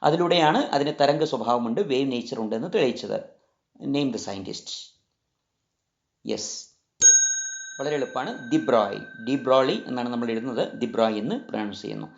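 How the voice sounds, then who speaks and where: A man's voice: mid-range voice, creaky, a little mellow. A man running a chemistry quiz lesson, who repeats each question and mixes languages as he coaxes listeners toward the answer. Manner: repeats each question, switches between languages, coaxing pauses. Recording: roomy, slightly dull sound with faint music.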